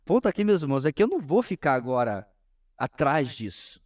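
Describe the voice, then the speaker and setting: A man's voice: a little high, very animated. Brazilian man teaching as a pastor. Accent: Brazilian Portuguese. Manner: emphatic, pausing, frequently addressing listeners directly. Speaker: pastor teaching a Bible class. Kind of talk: informal sermon-like lesson to a congregation.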